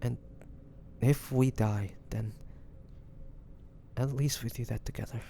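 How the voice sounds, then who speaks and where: A male actor plays a tender, protective young man in a fantasy romance audio drama. His voice is mellow and dark with a creaky edge. He speaks haltingly and earnestly, heavy with feeling. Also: medium pitch, fairly even intonation, a little hiss or hum. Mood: worried, tender. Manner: halting, emotional, pleading, with pauses and sighs. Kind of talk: intimate romantic roleplay audio drama acting.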